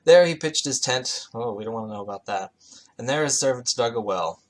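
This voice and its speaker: A man's voice: medium pitch, lively intonation, brisk. A man reading scripture aloud and commenting on it as host, with offhand, skeptical, sardonic asides. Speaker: reader and commentator, host of the show.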